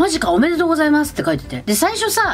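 This woman talks very fast. Her pitch rises and falls over a very wide range. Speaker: vlogger. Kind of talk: casual vlog chat. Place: home room. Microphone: phone near.

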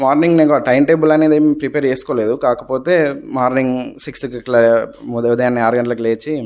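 An unremarkable speaking voice from a man, medium in pitch with fairly even intonation, over a very clean recording with a silent background. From Telangana, Adilabad district. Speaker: newly recruited government clerk. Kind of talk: radio interview. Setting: studio.

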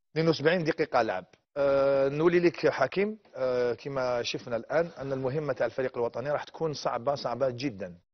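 An unremarkable speaking voice from a man, fairly high in pitch, with ordinary pitch variation, moderate pace and hardly any pauses, against a quiet background. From Algeria. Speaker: sports TV host; TV presenter. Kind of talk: studio football debate. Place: studio. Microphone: lapel.

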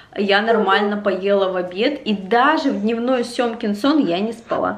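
Here a woman talks at a very slow pace. Her pitch varies in an ordinary way. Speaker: mother vlogger. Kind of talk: casual vlog chat. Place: home room. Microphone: phone near.

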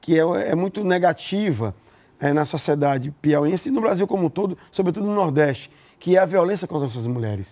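A man talks with a high pitch, keeping a moderate pace. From Brazil, Piauí (Teresina); Piauí, Brazil. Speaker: police commander. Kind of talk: TV interview. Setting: studio. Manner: formal. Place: studio.

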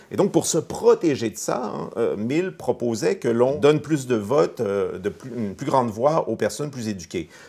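Over a quiet background, a man speaks at a fairly slow pace. His pitch swings very widely. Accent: Canadian French. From Canada. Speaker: philosopher; interview guest. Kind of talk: interview. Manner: halting. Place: home room. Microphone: lapel.

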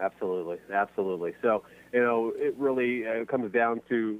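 A man at medium pitch, with dry sound and no echo. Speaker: insurance agent. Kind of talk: radio interview. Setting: phone call. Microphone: phone line.

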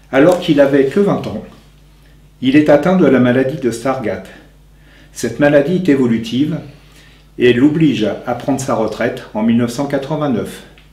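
Audible room echo surrounds a man speaking at a fairly slow pace. He leaves long, frequent pauses. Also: ordinary pitch variation. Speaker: presenter. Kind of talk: prepared presentation. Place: home room. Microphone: camera far.

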